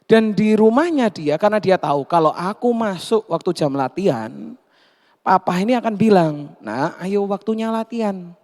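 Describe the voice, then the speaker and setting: A male pastor telling a story in a sermon, animated and acting out the characters. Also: sits high, moderate pace. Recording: long hall reverb.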